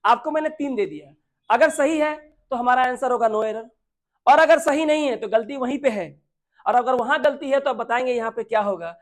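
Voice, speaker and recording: Indian man teaching grammar, quizzing students. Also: very high-pitched. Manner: explains slowly, repeats points, quizzes students with questions; reads English sentences word by word, slowly. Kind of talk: exam-prep English grammar lesson.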